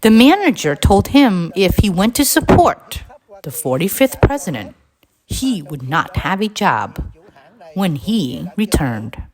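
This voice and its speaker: A woman reading a scripted address aloud in a deliberate, halting way, phrase by phrase. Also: on the low side, very animated, a little mellow, rough recording. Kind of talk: scripted read-aloud narration.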